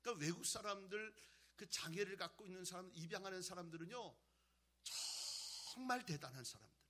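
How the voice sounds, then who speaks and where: A male pastor preaching a sermon, moving between loud exhortation and quiet, conversational storytelling. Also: high-pitched, expressive, brisk.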